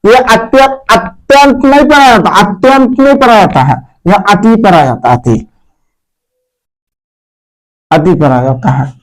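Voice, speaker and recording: Standing at a board, a high-voiced man leads pupils through a grammar lesson, repeating important words and testing them with questions. He addresses them as "मेरे प्यारे बच्चों", and the recording quality is poor.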